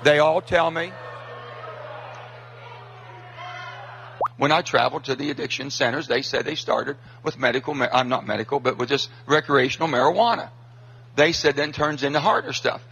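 A man giving unscripted public remarks as a politician, with halting, folksy phrasing. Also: a little high, creaky, sharp tone, a little hiss or hum, rough recording.

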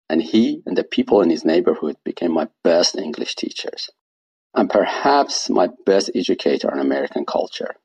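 A man's voice: low voice, a little mellow, breathy edge, poor audio. An older man from Iran with a Persian accent, reading his own personal essay with dry, wry humor.

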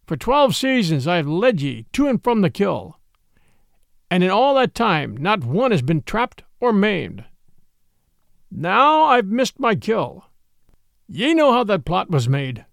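A man's voice: high voice, big pitch swings, creaky, no room sound, studio quality, full character voice. A man voicing an old, weary male wolf leader, proud and dignified, speaking solemnly in a storybook reading. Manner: solemn, measured, old-fashioned speech.

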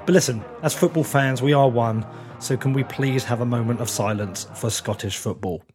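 A man with an English accent and a croaky, hoarse voice that is giving out, hosting a podcast and speaking informally and directly to listeners. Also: mid-range voice, normal speed, a little mellow, faint music behind. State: losing his voice. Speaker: podcast host. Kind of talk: podcast intro and sponsor reads.

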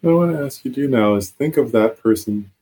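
A man leading a guided meditation as a teacher, giving gentle, halting, unscripted instructions with long pauses. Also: mid-range voice, lively intonation, slightly rough.

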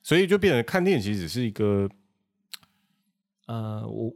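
A man with a Taiwanese accent talks in a casual, conversational way. His voice sits low and has a noticeable gravelly fry, recorded close and dry. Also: sing-song, moderate pace, a little mellow, dry recording. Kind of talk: casual chat.

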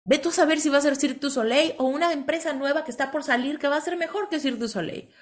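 A woman with a Mexican accent hosting a motivational coaching talk, telling stories in an animated way and often ending lines with a questioning tag. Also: high-pitched, quick pace. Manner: animated storyteller, tags lines with "¿no?". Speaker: host.

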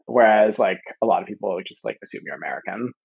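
Man from Canada, young adult, husky fry voice, chatty and filler-heavy, dull lo-fi recording. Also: fairly low pitch, quick pace. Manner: chatty, full of fillers, animated quoting. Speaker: guest. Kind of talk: casual chat.

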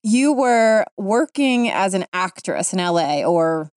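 A woman's voice: mid-range voice, expressive, slow, a little mellow, clean tone, dry recording. Chatty woman host, dry sound. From Ohio, United States. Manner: chatty, meandering questions full of fillers. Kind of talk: casual interview.

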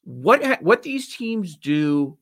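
Bright-voiced Chicago man hosting a betting show. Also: sits high, sing-song. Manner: quick, joking, restarts often. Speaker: sports betting podcast host. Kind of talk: casual sports talk.

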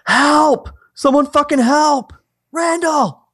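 A man's voice: very high voice, slow pace, a bit bright, no room sound, voice pushed up, exaggerated voice. A man reading as an anxious teenage boy, dry sound. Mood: panicked. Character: anxious, loyal teenage boy in an angst film. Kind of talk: amateur screenplay table read.

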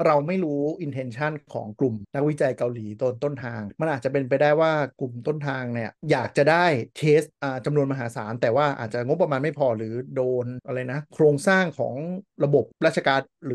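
A man's voice: mid-range voice, darkish tone. A man hosting a casual tech podcast, talking loosely and jokingly with lots of fillers. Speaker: podcast host.

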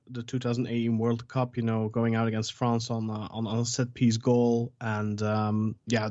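A man from Belgium, a football journalist guest, answering in a halting way with many fillers and restarts. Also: mid-range voice, darkish tone, dry recording, muffled recording. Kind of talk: casual podcast interview.

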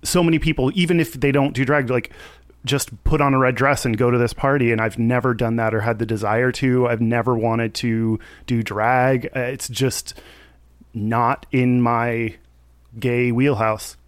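Hungover male co-host, smooth and dry-sounding, hesitant with nervous laughs. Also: medium pitch, fairly even intonation, normal speed, no room sound. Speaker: podcast co-host. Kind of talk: casual chat.

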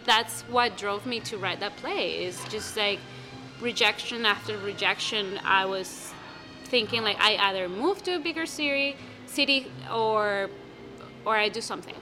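A young woman speaking English as a second language, answering interview questions about her play in a lively, casual way with many restarts. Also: mid-range voice, unhurried, music in the background. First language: not English. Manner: animated, many restarts and fillers. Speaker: playwright guest.

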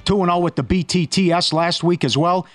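A man hosts a sports betting show with animated, rambling stories full of restarts. His voice sits a bit high. Clear music plays behind him. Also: fairly quick. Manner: animated storytelling with repeated restarts. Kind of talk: casual banter, then ad read.

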